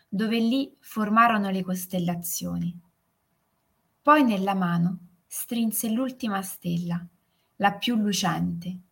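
A woman narrating a fairy tale in a calm, soothing way. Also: mid-range voice. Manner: slow, soothing, gently emphatic. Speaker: storyteller.

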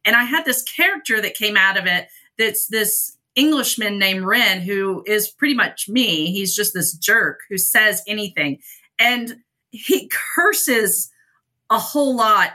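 Give me a talkative woman author as podcast guest, with a very bright, tense voice. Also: medium pitch. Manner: chatty and self-deprecating. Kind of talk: casual podcast chat.

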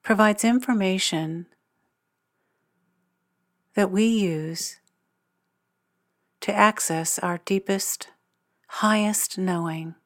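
A woman narrating a guided meditation as its guide, speaking in measured, deliberate phrases with long pauses. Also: medium pitch, a bit bright.

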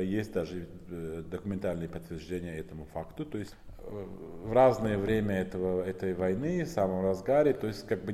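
A man with a notably low, mellow voice and a Central Asian Tajik accent. He talks informally as an interviewee, explaining haltingly with frequent fillers and repeats. Long reverb hangs around his words. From northern Tajikistan. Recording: roomy hall with long reverb.

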